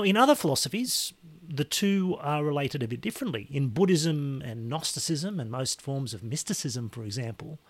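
Hoarse, raspy-voiced male podcast host. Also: medium pitch. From Australia. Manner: wry, conversational, with throat clearing. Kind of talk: scripted solo podcast talk.

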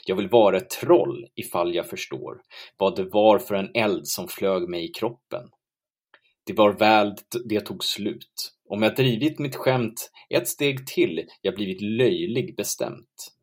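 A man reading aloud as Peer Gynt, a boastful, self-justifying man, in measured, rhythmic verse. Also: lowish voice, slightly rough. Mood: musing.

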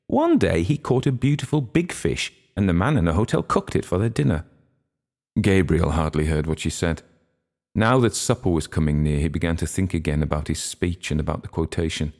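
Deep gravelly male audiobook narrator. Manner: measured, steady storytelling. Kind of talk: literary narration.

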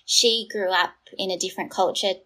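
A woman's voice: medium pitch, steady tone, fairly quick, bright, forceful tone, rough recording. An Australian woman, a startup founder, candidly telling her life story as a podcast guest in a thoughtful, reflective way. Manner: thoughtful, candid, laughs lightly at times.

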